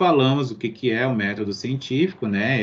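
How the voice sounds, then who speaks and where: A man speaks at a fairly slow pace in a normal speaking voice. The background is quiet. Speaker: university lecturer. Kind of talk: lecture.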